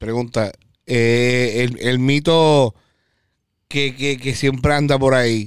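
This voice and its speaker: A man speaks very slowly with fairly even intonation. Long, frequent pauses break up his speech. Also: medium pitch for a man. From New York. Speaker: online media co-founder. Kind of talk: casual chat.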